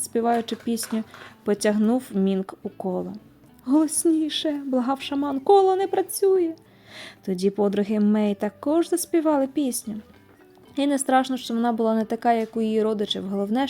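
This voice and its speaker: Mellow woman reading a fairy tale. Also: medium pitch. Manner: expressive, lively reading. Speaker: storyteller. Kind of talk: audio fairy tale narration. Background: soft music.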